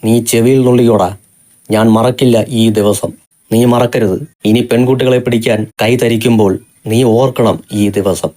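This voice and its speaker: A man's voice: medium pitch, steady tone, unhurried, dark tone, close to an everyday voice. A man voicing a heavyset, bullying middle-aged man on a bus, sneering and threatening. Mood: sneering threats.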